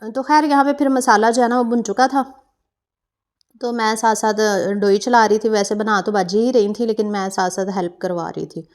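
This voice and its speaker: A woman's voice: mid-range voice, fairly even intonation, moderate pace. Young Pakistani woman, mid-range voice, talking viewers through her cooking in a rambling way. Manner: chatty, meandering, with frequent fillers and self-corrections. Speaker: cooking vlogger. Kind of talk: casual vlog narration.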